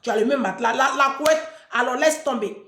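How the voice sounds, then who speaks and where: A woman's voice: high voice, a little fast, a bit bright, roomy sound, slight background noise. A woman talking straight to her followers in an unscripted monologue, scolding them emphatically and repeating words for effect. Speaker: online personality addressing followers.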